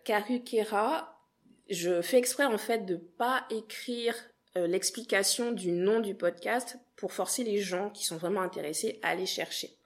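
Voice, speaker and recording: A woman's voice: medium pitch, a little slow. A young woman from Guadeloupe, a podcast creator answering interview questions in an earnest, thoughtful way with frequent hesitant restarts.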